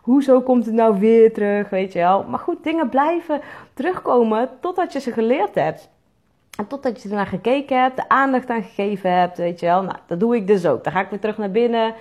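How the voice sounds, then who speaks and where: A woman's voice: fairly high pitch, brisk. Frank, swearing businesswoman. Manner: frank and blunt, swears freely, fills with "weet je wel". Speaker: entrepreneur and podcast host. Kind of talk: candid solo monologue.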